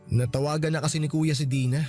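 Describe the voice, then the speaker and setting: A man's voice: a little high, fairly even intonation, fast talker, a little mellow, faint music behind, lightly acted. A man playing a young husband in a radio drama, defensive and pleading. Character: young husband, soft-hearted and placating.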